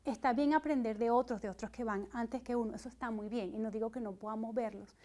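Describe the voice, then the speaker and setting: A woman teaches at a church gathering in a high, bright-pitched voice. She talks earnestly and conversationally, breaking into quick acted-out quotes of other people. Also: fairly even intonation. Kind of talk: sermon-style teaching talk.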